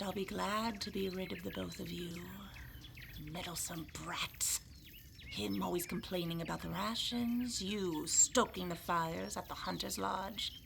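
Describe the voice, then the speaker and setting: Actress doing wicked old lady witch, slow n gravelly, sneering, audio drama, noisy outdoor birds behind. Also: lowish voice. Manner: slow, menacing, contemptuous. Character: cruel elderly village elder, secretly a witch.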